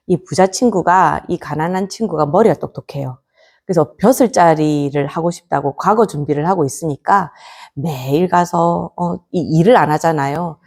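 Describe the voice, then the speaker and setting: A woman's voice: fairly low pitch, a little mellow. A woman, a Buddhist nun, gives a temple lecture, telling a story and posing questions to her class.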